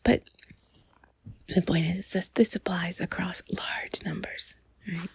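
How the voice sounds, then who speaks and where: A woman whispering softly and intimately in a breathy, husky voice, close to the mic, confiding in a rambling ASMR monologue. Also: fairly low pitch, fairly even intonation, slow, dry recording. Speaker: intimate audio host.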